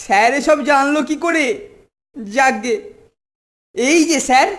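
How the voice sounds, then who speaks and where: High-pitched sly schoolboy schemer, cartoon. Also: measured pace, a bit bright. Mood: wheedling. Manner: theatrical, crafty, wheedling. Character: sly scheming teenage schoolboy bully, boastful then pleading. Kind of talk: Bengali children's cartoon dubbing. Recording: music behind the voice.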